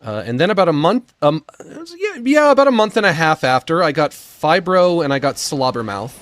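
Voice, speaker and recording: Male streamer, squeaky and breathless; slurred, lisping delivery with stammers, slow self-mocking pace. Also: very animated, fairly bright tone, no room sound, studio quality. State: short of breath, gasping before sentences. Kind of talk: prerecorded monologue.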